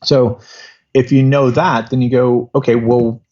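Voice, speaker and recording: A man's voice: mid-range voice, level tone, measured pace, mellow, muffled recording. A man in his fifties explaining at length in a podcast interview, rambling with many restarts. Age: 50s. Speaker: guest doctor.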